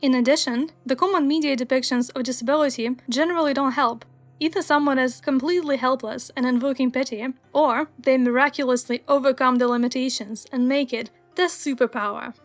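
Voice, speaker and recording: A woman's voice: high-pitched, fairly even intonation, a little fast, soft background music. A young woman whose first language is Russian, narrating a scripted video essay in an earnest, wry, explanatory way. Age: young adult.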